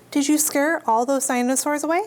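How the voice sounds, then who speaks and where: A woman hosting a children's storytime as a librarian reads picture books aloud, using simple child-directed talk and asking her little listeners questions. Her voice is high-pitched, with slight background noise.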